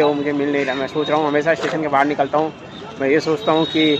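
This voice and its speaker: Clear background music behind a man's dry voice with no echo. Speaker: travel vlogger. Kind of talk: casual vlog chat. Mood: mildly disappointed about food. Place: station. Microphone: phone near.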